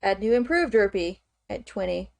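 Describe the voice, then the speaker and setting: A woman's voice: medium pitch, expressive, moderate pace, creaky, dry recording. A woman streamer chatting casually as she works, thinking aloud with frequent fillers and "okay"s. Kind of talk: casual chat while working on screen.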